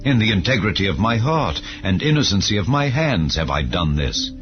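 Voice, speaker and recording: A man's voice: fairly low pitch, sing-song, normal speed. Man voicing an ancient king protesting innocence. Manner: earnest, solemn. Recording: dull lo-fi audio over music.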